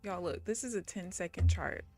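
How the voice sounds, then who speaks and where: A woman's voice: fairly low pitch, moderate pace, a little mellow, faint music behind. A young woman from Missouri chatting casually while she trades live, talking to her viewers and laughing often. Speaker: day trading livestreamer. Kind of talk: casual live-stream commentary.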